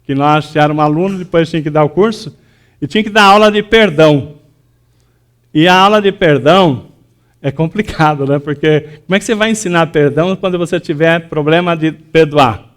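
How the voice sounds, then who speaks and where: A man's voice: a little high, a little fast. A man preaching a sermon in a church, telling a personal story with many fillers and restarts, and acting out the voices of people he quotes. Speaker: pastor.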